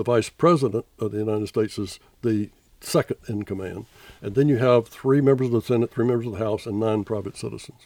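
Very fast and fairly even in intonation, a man with a Southern US accent and a medium-pitched, dark, mellow voice comes through dry and close with no echo. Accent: Southern US (Georgia). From US South, South Georgia. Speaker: former museum institution head and author. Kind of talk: interview. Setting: studio. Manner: halting.

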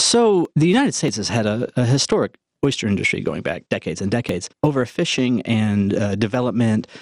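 Dry and close with no echo over a quiet background, a man at a medium pitch speaks at a moderate pace with lively intonation. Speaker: author. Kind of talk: radio interview. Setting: remote studio. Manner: halting.

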